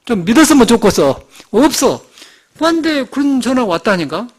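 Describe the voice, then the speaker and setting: A man's voice: very high voice, very animated, moderate pace. A man, a Buddhist monk, giving an informal, rambling sermon full of rhetorical questions and restarts. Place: temple meditation hall.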